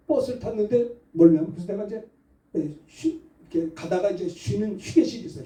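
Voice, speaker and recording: Male pastor, middle-aged, high voice with a dark, mellow tone, chatty storytelling sermon, roomy church sound picked up from a distance. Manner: conversational storytelling, building to fervent exhortation. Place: church sanctuary. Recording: echoey church hall, mic at a distance.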